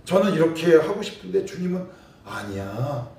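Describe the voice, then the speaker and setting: A male pastor giving a lively sermon, asking his congregation questions and acting out little scenes. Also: medium pitch, moderate pace, a little hiss or hum. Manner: animated preaching, acting out scenes and rhetorical questions. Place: church sanctuary. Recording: very echoey church hall, voice from a distance.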